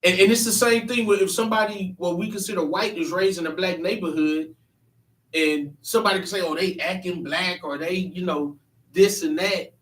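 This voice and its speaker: A man's voice: sits high, fairly even intonation, moderate pace, fairly bright tone. A man hosting a church panel discussion, talking earnestly and emphatically, often restarting his sentences. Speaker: panel host. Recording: echoey room, mic at a distance.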